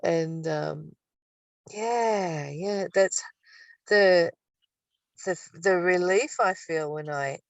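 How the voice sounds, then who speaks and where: Older female, low register, reflective study-group speaker, slightly distant mic. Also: drawn-out words, creaky, pauses often, lo-fi sound. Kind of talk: reading aloud and reflective discussion. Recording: roomy, distant microphone.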